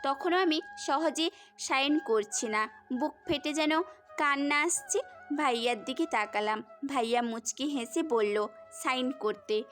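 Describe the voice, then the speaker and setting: A woman's voice: sits high, unhurried, fairly bright tone, faint music behind. A young woman narrating a romantic story in the first person, as a scripted audio tale.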